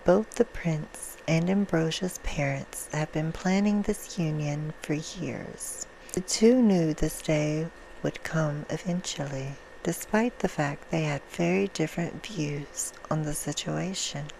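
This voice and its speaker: A woman playing a vampire who reads a bedtime story in a hushed, soothing ASMR roleplay style. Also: sits low, slow, gravelly, slight background noise, heavily acted, low-quality recording. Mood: soft, storytelling. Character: female vampire reading a soft bedtime story.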